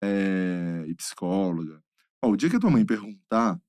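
Male host, lively pitch, dry close sound, expressive and affirming. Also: a little slow, no echo. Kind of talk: casual podcast chat.

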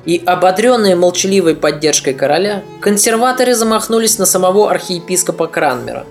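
A podcast narrator reading a scripted history story in a steady, even manner. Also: medium pitch, a little fast, faint music behind.

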